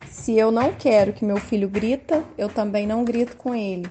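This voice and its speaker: Soft-spoken Brazilian mother, mellow voice. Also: on the high side, soft background music. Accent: Brazilian Portuguese. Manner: soft-spoken, unhurried, frequent tag questions. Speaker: mother sharing parenting tips. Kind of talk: calm personal testimony.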